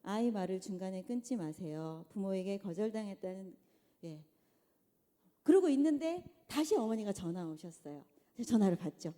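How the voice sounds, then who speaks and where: A middle-aged woman giving a conversational church lecture to mothers, animated and often asking the audience questions. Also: mid-range voice, moderate pace. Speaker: guest lecturer. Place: large church hall. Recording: long church hall reverb.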